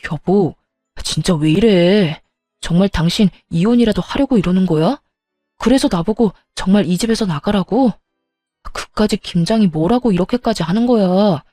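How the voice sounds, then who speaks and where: A woman voicing a flustered husband who pleads with his wife in a lowered, placating voice. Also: moderate pace, mellow, dry recording, clean studio sound, soft background music, natural voice. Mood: pleading. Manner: placating, backpedaling.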